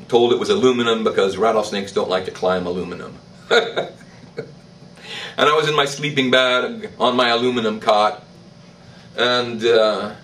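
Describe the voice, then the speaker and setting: An older man, a priest, preaching a sermon in church, slow and emphatic, with declarations that rise in pitch. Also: a bit bright, far from the mic, poor audio. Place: church, indoors. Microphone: stand mic in front.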